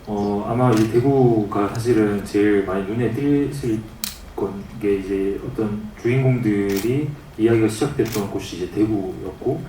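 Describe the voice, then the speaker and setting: A film director with a Daegu accent, answering at a press conference, halting and restarting often. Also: male voice, on the low side, dark tone, slight background noise. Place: cinema press conference hall. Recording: echoey hall from far off.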